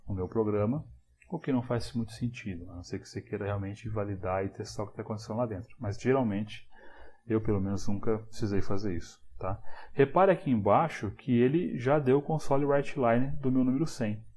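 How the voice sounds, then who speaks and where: A man's voice: fairly low pitch, darkish tone. A man, explaining programming step by step in a casual screencast lesson, often checking in with the listener. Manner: casual, explanatory, frequent tag questions. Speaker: programming instructor.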